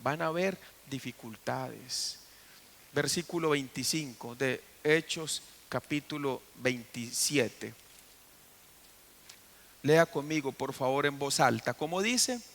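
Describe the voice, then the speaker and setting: A man's voice: medium pitch, slow pace, creaky, fairly bright tone. A man preaching a sermon as pastor, telling the story and putting questions to the congregation. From Costa Rica. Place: church.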